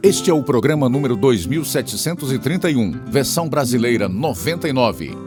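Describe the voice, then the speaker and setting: A man's voice: medium pitch, lively intonation, brisk. A man with a Brazilian accent reading scripted evangelistic radio narration as an announcer, earnestly addressing listeners. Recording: guitar music behind the voice.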